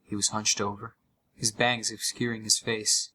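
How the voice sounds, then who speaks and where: A man playing a haunted gamer, narrating a scripted horror story with deliberate, dramatic pauses full of dread. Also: lowish voice, flat delivery, bright, forceful tone, slight background noise, low-quality recording. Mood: uneasy dread.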